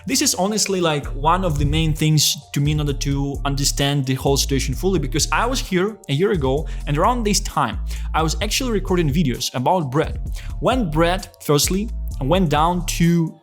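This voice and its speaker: A man's voice: fairly high pitch, moderate pace. Blunt, profane man with light music. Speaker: crypto commentator. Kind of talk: casual commentary video.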